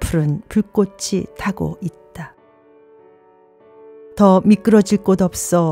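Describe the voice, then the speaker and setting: Against music in the background, the speaker talks at a very slow pace with fairly even intonation, the sound dry and close with no echo. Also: woman. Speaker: poetry reciter. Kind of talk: poetry reading.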